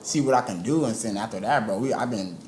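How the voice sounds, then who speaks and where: A man's voice: fairly low pitch, a little mellow, reverberant. A young man, a rapper and father, talking casually as a podcast guest, full of slang and stock phrases. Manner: rapid, slangy, repeats "you know what I'm saying".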